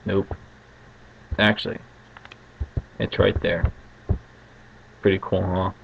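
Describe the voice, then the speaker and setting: A man hosting a card trick tutorial explains a trick step by step in casual magician patter, often checking in with short tag questions. His fairly low voice has vocal fry and a flat delivery at normal speed. The home recording is muffled and lo-fi with faint noise.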